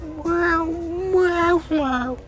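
A man voicing a half-cat hybrid daughter who only says a single word again and again, squeaky and creaky, in a comic audio drama. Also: drawn-out words, over music, exaggerated voice. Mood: awed.

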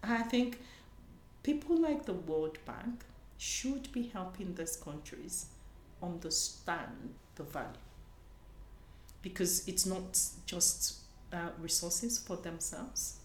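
A Nigerian woman on a conference panel speaks earnestly in a conversational interview, searching for words and often restarting her sentences. Her voice is fairly low, darkish and animated, and she takes her time. The room is echoey, with faint noise.

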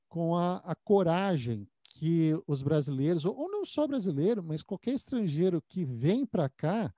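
A man's voice: high-pitched, mellow, no room sound. A man interviewing a guest in casual conversation, often repeating words while he thinks.

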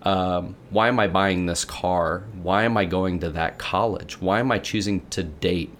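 A man co-hosting a casual faith podcast, telling Bible stories and acting out the quotes with lively energy. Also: deep voice, unhurried, a little hiss or hum. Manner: animated storyteller, acts out quotes. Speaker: podcast co-host.

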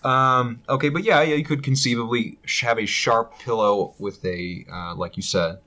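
A man's voice: medium pitch, steady tone, normal speed, pushed and bright. A man in casual comedic chat, making dry, sarcastic remarks.

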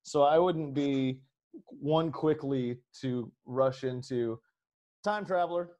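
A man's voice: medium pitch, slow, darkish tone. A man chatting casually and comically as a podcast guest, rambling loosely and swearing now and then. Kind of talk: casual comedic chat.

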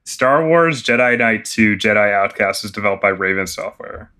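Deadpan lower-voiced young man. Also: moderate pace. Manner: dry, deadpan, pedantic about details. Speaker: podcast co-host. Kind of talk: casual chat.

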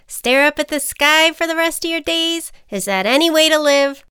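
A woman's voice: sits high, expressive, normal speed, pushed and bright, dry recording, clean studio sound, voice pushed up. A woman voicing a sassy, pushy little ant who teases and coaxes, in a read-aloud storybook. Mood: needling. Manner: sassy, needling, persuasive.

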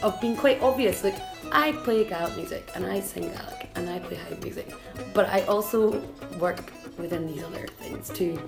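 A young folk fiddler and singer from Scotland talks frankly and lively in a casual interview, using plenty of ums. Her medium-pitched, gravelly voice moves at a moderate pace with few pauses, and music plays in the background.

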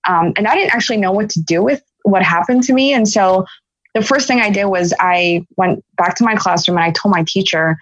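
A woman's voice: medium pitch, fairly quick, a bit bright, no room sound, muffled recording. A woman in her forties from Philadelphia, a podcast guest telling her own story in an earnest, reflective way, often restarting her sentences. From Philadelphia, United States. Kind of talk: podcast interview, personal storytelling.

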